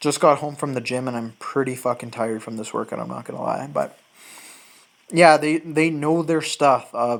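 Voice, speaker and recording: At a moderate pace, a man speaks with ordinary pitch variation and big swings in loudness. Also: fairly high pitch for a man. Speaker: fitness vlogger. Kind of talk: casual vlog talk. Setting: at home. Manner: halting, many fillers.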